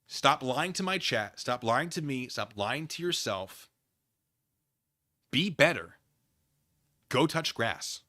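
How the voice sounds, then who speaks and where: A male streamer talks to his chat in a casual but theatrical way. His pitch swings widely around an average register, and he leans hard on his points. The voice is bright and sits in a dry space. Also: lively intonation, slow pace, pauses often, no echo. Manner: theatrical, emphatic, exasperated debating. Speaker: livestream host. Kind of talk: casual livestream chat with viewers.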